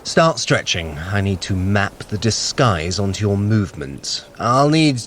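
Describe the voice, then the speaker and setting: An actor playing a clever, sly, haughty trickster god in an audio drama, with an arch, theatrical, condescending manner. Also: male voice, fairly low pitch, very animated, a little slow, a bit bright, a little hiss or hum. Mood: brisk, condescending. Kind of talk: scripted audio drama acting.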